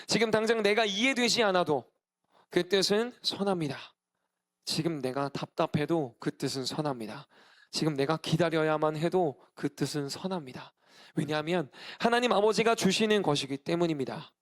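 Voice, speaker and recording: A man's voice: a little high, moderate pace. A male pastor in his thirties giving a sermon, earnest and emphatic, repeating key phrases. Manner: earnest preaching with emphatic repetition.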